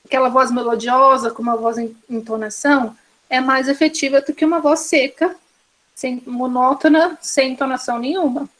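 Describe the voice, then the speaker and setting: Brazilian woman instructor, high bright voice, steady lecturing pace, rattles off examples in lists. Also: normal speed. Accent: Brazilian Portuguese. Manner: explains by listing examples one after another. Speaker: course instructor. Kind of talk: online course lecture.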